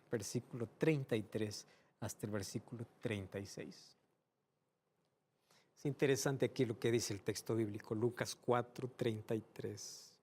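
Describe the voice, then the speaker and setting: A male pastor preaching a sermon in an animated way, asking many rhetorical questions. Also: medium pitch, a little hiss or hum.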